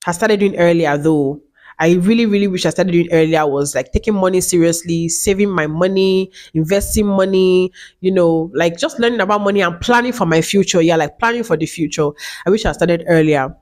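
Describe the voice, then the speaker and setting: A woman in her late twenties talking casually to camera as a vlogger, chatty and repeating herself, with many fillers. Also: on the low side. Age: 20s.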